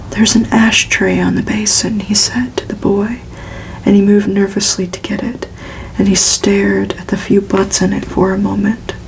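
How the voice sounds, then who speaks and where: A woman softly reading fiction aloud for ASMR in a breathy, unhurried whisper. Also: mid-range voice, slight background noise, poor audio. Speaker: ASMR reader.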